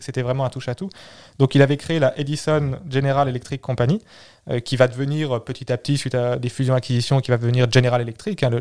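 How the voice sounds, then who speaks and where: A man's voice: mid-range voice, a little mellow, smooth. Man telling history in casual chat. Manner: explanatory storytelling, repeats words while thinking. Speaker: podcast co-host telling history.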